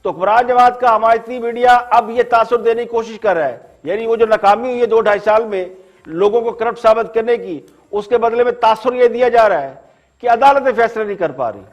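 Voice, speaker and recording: A man with a Pakistani Urdu accent, hosting a TV show and delivering a measured, explanatory commentary monologue. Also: very high voice, lo-fi sound. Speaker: host.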